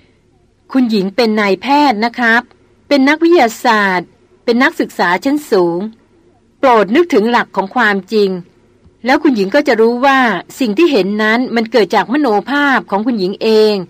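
A woman narrator voices a steady male jungle hunter in a storybook reading. He talks slowly and gently, soothing and reasoning. The sound is close and dry. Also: a little high, no room sound. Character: calm, protective male big-game hunter.

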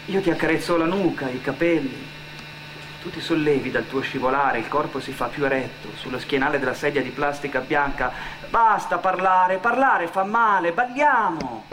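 A man's voice: medium pitch, steady tone, brisk, noisy background. A man delivering an emotive, scripted dramatic monologue, repeating phrases as a storyteller would on stage. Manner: emotive, addressing an absent person as "you", repeating phrases. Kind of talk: dramatic scripted narration, theatrical monologue over music. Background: music.

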